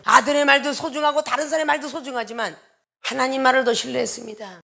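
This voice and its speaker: A woman pastor preaching a sermon with emphasis, acting out dialogue in different voices and sometimes shouting. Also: high-pitched, vocal fry.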